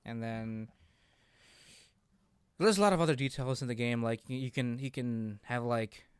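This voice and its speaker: A man hosting a casual video game chat, explaining things in an informal, halting way. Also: mid-range voice, clean tone, no room sound, studio quality. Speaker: podcast host.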